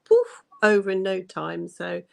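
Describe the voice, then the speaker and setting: A woman's voice: medium pitch, wildly swooping pitch, measured pace, creaky, a little hiss or hum. A woman guest in a casual book chat over a video call, hesitant and thoughtful, with many ums.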